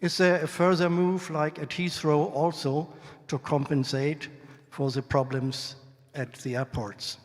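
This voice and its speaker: Flat-toned man in a reverberant hall. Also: a little high, unhurried. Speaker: journalist asking a question. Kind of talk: press conference question.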